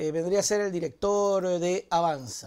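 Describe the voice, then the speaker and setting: Over a quiet background, a man talks in an animated tone at a high pitch. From Ecuador. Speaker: political commentator host. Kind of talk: commentary. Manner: animated, sarcastic, joking; conversational, rhetorical, addressing audience. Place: studio. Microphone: lapel.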